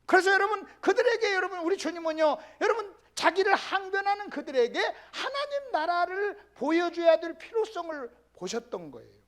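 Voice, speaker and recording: Man, pastor, sermon, very high voice, lively swooping pitch, emphatic, calls out to the listeners. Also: a little fast, few pauses. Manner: emphatic, often calling out to the congregation. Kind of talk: sermon lecture on scripture.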